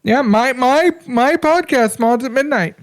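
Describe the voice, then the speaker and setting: A woman's voice: high voice, measured pace. A woman hosting a podcast stream, teasing her co-host in dry, mock-serious comedic banter.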